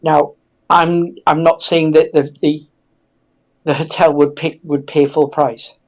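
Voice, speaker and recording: A man speaking in a halting, reflective way as a guest in a casual discussion. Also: fairly high pitch, level tone, muffled recording.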